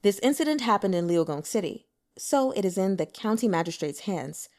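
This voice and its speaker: A woman's voice: medium pitch, expressive, normal speed, darkish tone, natural voice. A woman reader portrays an imperious man of authority in a storybook tale. He speaks coolly and curtly, commanding with scorn. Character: cool, imperious male investigator giving curt orders.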